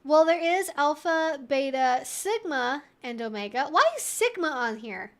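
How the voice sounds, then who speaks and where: A woman's voice: high voice, expressive, measured pace. A woman hosting a live Q&A stream, thinking aloud in an informal, chatty, wry and opinionated way.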